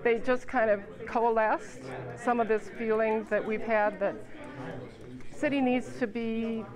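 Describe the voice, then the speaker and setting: A woman's voice: fairly high pitch, fairly even intonation, unhurried, a crowd in the background. Earnest older woman, busy room behind. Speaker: citizen group member. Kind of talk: interview sound bite.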